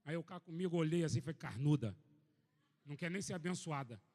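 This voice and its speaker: Brazilian preacher, joking and animated. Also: male voice, a little high, fairly quick, long reverb tail. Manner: animated, joking storyteller, reads scripture aloud. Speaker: pastor. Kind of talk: sermon with humorous personal story. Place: church meeting hall.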